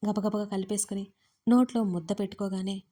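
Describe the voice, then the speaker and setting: Warm-voiced woman narrating an audio story. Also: medium pitch, steady tone, brisk. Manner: intimate, conversational storytelling. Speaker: author and narrator.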